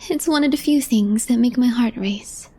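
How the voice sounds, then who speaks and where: A woman acting as a calm young female coworker with a sly streak, in an ASMR roleplay. Her voice is high and very soft, with a mellow, breathy hush. She speaks in an understated deadpan. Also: moderate pace. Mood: sly, curious.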